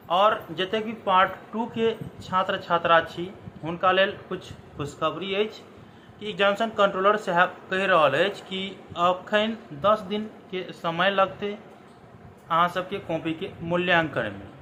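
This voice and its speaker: A man's voice: a little high, pushed and bright, low-quality recording. A man hosting a channel, talking straight to viewers and repeating key points to explain them. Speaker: channel host giving exam news. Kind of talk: direct-to-viewer update. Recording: faint background noise.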